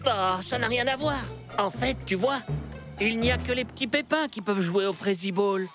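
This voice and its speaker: A woman's voice: fairly high pitch, normal speed, music in the background, close to an everyday voice. A woman voicing an earnest, bossy little team captain in a cartoon, pompous and emphatic. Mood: apologetic, firm. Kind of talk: animated cartoon dub acting.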